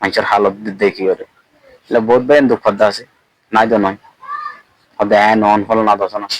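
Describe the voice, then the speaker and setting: A man's voice: on the low side, level tone, normal speed, no echo, rough recording. A man with a Rohingya accent giving informal, colloquial spoken commentary, repeating phrases for emphasis.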